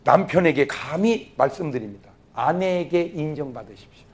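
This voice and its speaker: Lively, animated Korean preacher. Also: male voice, a little high, normal speed. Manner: animated, joking, acts out scenes. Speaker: pastor. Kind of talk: humorous revival sermon.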